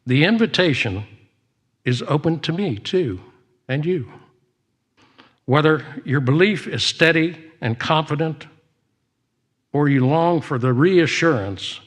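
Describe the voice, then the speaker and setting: A man speaks to a congregation as the leader of a service, moving through announcements and devotional readings. His pace is slow and measured with frequent pauses, at an average male pitch.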